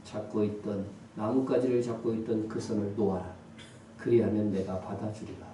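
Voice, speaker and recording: A pastor voicing God as a firm, mysterious voice giving solemn commands, in a booming church hall. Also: male voice, steady tone, fairly quick, mellow, slight background noise, natural voice. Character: God's stern, mysterious voice from above. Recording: echoey church hall from far off.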